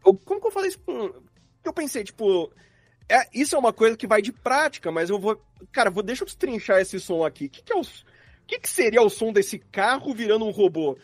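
With big swings in pitch and a brisk delivery, a high-pitched Brazilian-accented man guests as a sound designer for a laid-back chat about his craft, acting out his thought process as he explains. The audio has no room sound, just faint music behind him.

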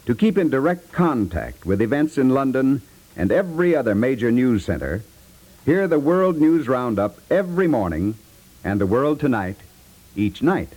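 A man's voice: mid-range voice, sing-song, normal speed, a little mellow, low-quality recording. A man reading a scripted 1950s radio promo as a network announcer, formal and carefully enunciated.

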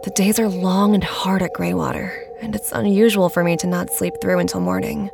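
A woman's voice: on the low side, steady tone, brisk, gravelly, over music. A woman acting in an audio drama as an exasperated, protective young woman who also narrates in the first person. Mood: uneasy, hushed narration. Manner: exasperated, sighing. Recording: engine and outdoor ambience noise.

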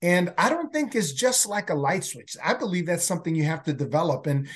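A man's voice: a little high, expressive, a little fast, slightly rough. A man from El Salvador with a faint Salvadoran Spanish accent, a native Spanish speaker, talking earnestly as a podcast guest and often restarting his words. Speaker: podcast guest, workplace learning consultant. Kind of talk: casual interview talk.

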